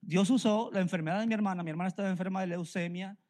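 A man's voice: sits high, steady tone, rapid-fire, darkish tone. A middle-aged man from Mexico with a Mexican Spanish accent, preaching a sermon earnestly and repeating phrases for emphasis. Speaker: pastor.

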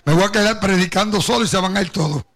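Older male preacher, Caribbean Spanish accent, high and very crackly voice, tells his testimony straight to the congregation. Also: quick pace, a bit bright. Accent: Caribbean Spanish, Puerto Rican with Cuban influence. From Puerto Rico. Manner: storytelling, addresses the congregation directly. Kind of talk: sermon with personal testimony.

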